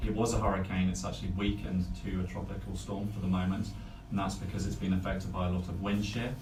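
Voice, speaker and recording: Low, even-voiced man in an echoey room. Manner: careful, measured, explanatory. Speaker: weather forecaster. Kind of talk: explanatory weather briefing. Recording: echoey room, distant mic, faint noise.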